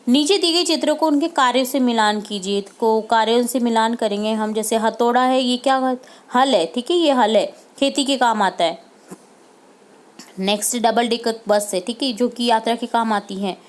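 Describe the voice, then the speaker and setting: Her voice is fairly high and a bit bright as this teacher patiently walks students through the answers on a worksheet. She drops in English words now and then, repeating every word slowly.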